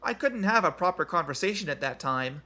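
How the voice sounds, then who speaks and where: A man reading scripted everyday conversations for English learners, in a clear, evenly paced textbook delivery. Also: a little high, lively intonation, fairly quick, sharp tone. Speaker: dialogue voice for English practice.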